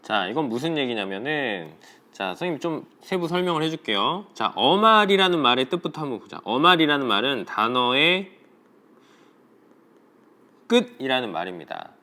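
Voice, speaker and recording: A man's voice: medium pitch, normal speed. A man teaching a middle school Korean lesson, talking directly to his students and asking them questions. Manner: lively, talks directly to students and asks for answers. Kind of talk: recorded classroom lesson.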